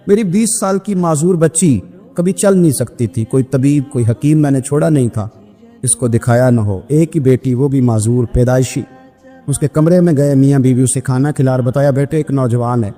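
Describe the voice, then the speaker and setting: A man preaching a sermon, telling stories and acting out the voices of the people in them, rising to loud emphatic peaks. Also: a little high. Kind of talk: sermon storytelling. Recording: long hall reverb with faint music.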